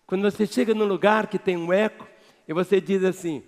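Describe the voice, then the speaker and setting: A Brazilian pastor with a fairly high voice delivers a sermon, pressing his points hard and then dropping to soft, low asides. His voice rings with the long reverb of a large church hall. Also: brisk. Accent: Brazilian Portuguese. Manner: emphatic, preacherly, swinging between loud exhortation and quiet low asides.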